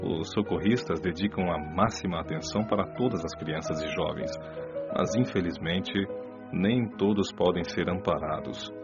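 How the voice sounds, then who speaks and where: A man playing a patient, earnest spirit mentor in a radio drama, speaking in a measured, didactic and gently admonishing way. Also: low voice, lightly acted. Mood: solemn, instructive. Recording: dull, muffled audio under clear music. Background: music.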